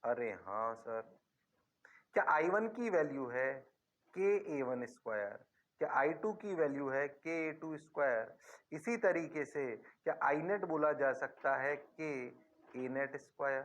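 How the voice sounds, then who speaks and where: In a classroom physics lecture, a man with an Indian accent speaks unhurriedly, his slightly high, bright voice full of lively intonation. He elongates his words and, in a playful turn, answers in the students' voice.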